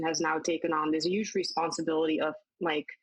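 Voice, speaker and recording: With a Dutch accent, a woman speaks in a fairly low pitch. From Netherlands. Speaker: parenting coach. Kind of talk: interview.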